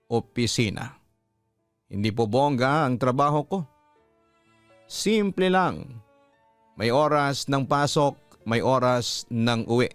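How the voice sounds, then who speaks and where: A Filipino man narrates a personal letter as a storytelling host. His delivery is measured and earnest, with a clear, resonant voice. The sound is dry and close, over a light musical bed. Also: medium pitch, no room sound. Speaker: radio storytelling host reading listener letters. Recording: music playing behind the voice. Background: background music.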